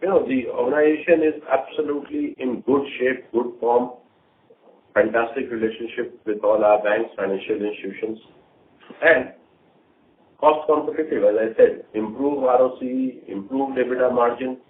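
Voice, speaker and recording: A man speaking as a company executive briefing investors on an earnings call, talking deliberately in short, halting phrases. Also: mid-range voice. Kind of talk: earnings call management commentary. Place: conference call. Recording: tinny phone line with faint noise.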